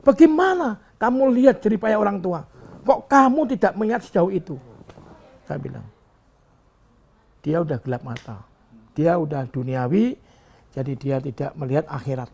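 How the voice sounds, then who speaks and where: A man's voice: fairly high pitch, lively intonation, moderate pace, vocal fry, pauses often, darkish tone. An older man who owns a bus company, speaking in a candid interview and lecturing with rhetorical questions and a scolding tone. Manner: emphatic, preachy, scolding tone with many rhetorical questions.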